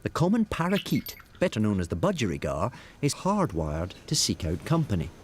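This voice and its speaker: Low-voiced man narrating nature documentary. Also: huge pitch swings, normal speed. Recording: noticeable background noise.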